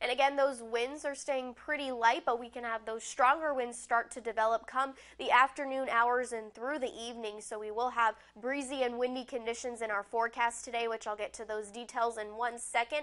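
Cheerful in tone, a woman talks at a fairly quick pace in a high voice with hardly any pauses. The background is quiet. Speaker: TV weather forecaster. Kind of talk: local TV morning weather report, upbeat scripted-ish delivery walking through maps. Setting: TV studio. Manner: bright, cheerful morning-show tone with friendly emphasis; steady conversational pace, many 'so' connectors and occasional 'um' fillers. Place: studio. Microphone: lapel.

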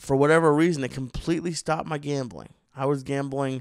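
This man has a plain, everyday voice, fairly high in pitch, with fairly even intonation at a fairly quick pace. The recording is very clean, with a silent background. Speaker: podcast host and stand-up comedian. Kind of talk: casual chat.

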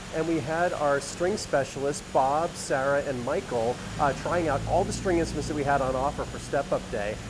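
With noticeable background noise behind him, the man keeps a moderate pace and ordinary pitch variation. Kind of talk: casual vlog chat. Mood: friendly, upbeat. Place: garage. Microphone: lapel.

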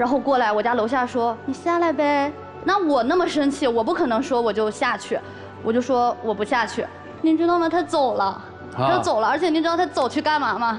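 A woman's high-pitched voice over faint music in the background. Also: fairly quick pace. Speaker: guest. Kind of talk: talk show account of a relationship conflict. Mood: aggrieved, complaining. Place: stage. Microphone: headset.

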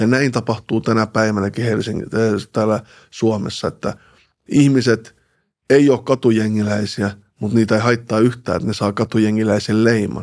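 At medium pitch, a man talks with monotone, flat intonation. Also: moderate pace. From Finland, Oulu region. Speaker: ex-drug dealer and rapper. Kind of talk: interview, personal story. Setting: studio.

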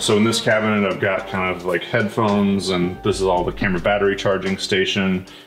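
Fairly quick, monotone, flat delivery over clear music in the background. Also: man. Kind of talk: casual tour commentary. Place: garage.

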